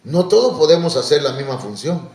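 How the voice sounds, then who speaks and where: A man's voice: a little high, sing-song, brisk, a little mellow. Male preacher, folksy storyteller, echoey church sound. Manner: folksy, storytelling with asides and restarts; exhorting, rising on calls to serve. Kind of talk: conversational sermon.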